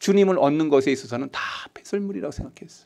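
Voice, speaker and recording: This man's voice comes through a very clean recording with a silent background. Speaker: pastor. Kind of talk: sermon. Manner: conversational, switches to casual speech.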